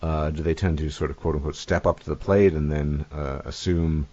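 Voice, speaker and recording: A man hosting a casual conversation, asking questions in a halting way and making dry, sardonic remarks. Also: rumbling low, steady tone, dark tone. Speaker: host and interviewer. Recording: dull lo-fi sound.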